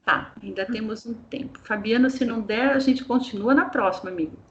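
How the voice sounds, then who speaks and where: A Brazilian woman, a teacher trainer, walks a group through an online training session with patient, step-by-step explanations. Her voice sits a little on the high side. The sound is muffled and lo-fi, like audio from a video call. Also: a little fast, slight background noise.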